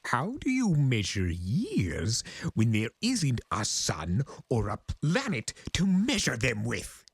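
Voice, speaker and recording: A man voicing an ancient, pompous chimera lord of chaos in a cartoon fan story, with grandiose, exasperated, drawn-out delivery. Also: medium pitch, huge pitch swings, creaky, breathy edge, dry recording, voice pushed up, full character voice. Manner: theatrical, grandiose, indignant, drawn-out emphasis. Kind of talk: dramatic cartoon fan fiction reading.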